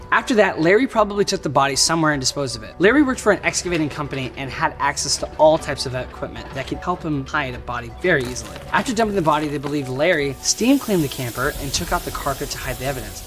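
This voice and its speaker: A man hosting a true crime show, narrating casually with wry jokes and slang asides. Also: fairly high pitch. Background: background music.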